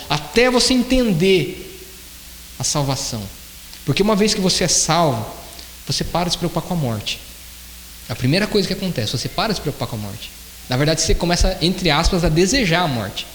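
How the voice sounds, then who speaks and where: A man preaches with a high voice and a quick, animated delivery, talking to the congregation as if chatting with them. He is recorded in a roomy church hall with long reverb, and a faint hiss sits under the voice. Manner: conversational, animated, personal testimony. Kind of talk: sermon.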